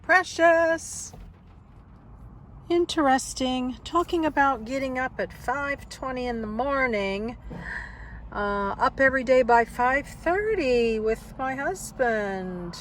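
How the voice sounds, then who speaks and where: A woman's voice: high voice, slow, fairly bright tone, a little hiss or hum, low-quality recording. An older woman in a casual vlog, reminiscing and reading aloud in a wistful, rambling, reflective way. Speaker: vlogger. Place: inside a parked car.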